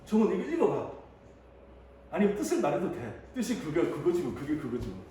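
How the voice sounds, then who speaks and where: A male teacher in his thirties gives a high school English lesson, breaking off into chatty asides and calling on students by name. His voice is warm, dark and lively, rising and falling a lot. He sounds set back from the mic, in a very echoey room with a faint hiss. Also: brisk, recorded from a distance. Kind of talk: classroom lecture. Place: classroom.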